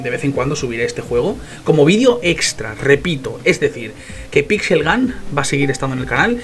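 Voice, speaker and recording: A young man with a Spain Spanish accent giving excitable, casual commentary while playing a game, swearing often and talking straight to his viewers. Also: a little high. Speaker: gaming youtuber.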